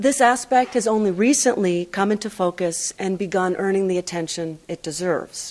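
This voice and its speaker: A woman with an ordinary speaking voice, medium pitch, ordinary pitch variation, a moderate pace and hardly any pauses. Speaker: event host introducing speaker. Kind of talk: formal introduction. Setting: stage with audience at university.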